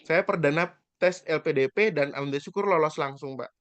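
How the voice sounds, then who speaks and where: A man in his thirties giving an informal guest lecture about his own experience, earnest and hesitant, with drawn-out fillers and polite address to his listeners. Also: a little high, no room sound. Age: 30s.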